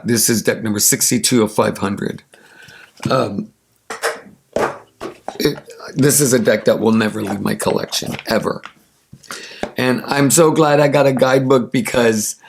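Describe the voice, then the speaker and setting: A raspy man with allergies, casually chatting and enthusiastically showing off tarot cards, with many ums and uhs. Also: medium pitch, a little hiss or hum. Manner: gushing, enthusiastic, with many fillers. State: congested from allergies. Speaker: tarot deck reviewer.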